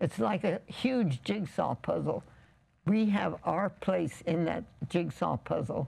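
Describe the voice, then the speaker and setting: A woman speaks very slowly with vocal fry. Her pitch swings very widely. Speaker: guest. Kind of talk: interview answer. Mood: warm, reflective. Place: studio.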